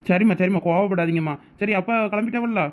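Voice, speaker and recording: Casting: man as earnest, respectful cartoon son, high-pitched male, extremely quick talker, Thoothukudi Tamil accent. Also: natural voice. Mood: placating. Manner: respectful, explanatory. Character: polite, dutiful young son. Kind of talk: cartoon village drama dialogue.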